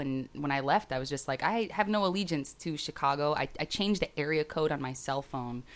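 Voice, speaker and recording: A woman with an American accent, very deep and low in pitch, at a moderate pace. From Wisconsin, Green Bay. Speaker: artist. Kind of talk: casual chat. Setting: studio.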